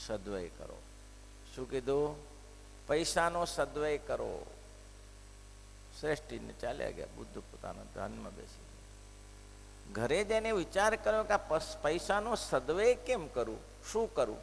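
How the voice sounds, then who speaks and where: A man's voice: mid-range voice, a little slow, creaky, long pauses. A man preaching a sermon at a religious school, telling stories and asking the listeners rhetorical questions. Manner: lively storytelling with rhetorical questions. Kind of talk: sermon with storytelling. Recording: long hall reverb, faint noise.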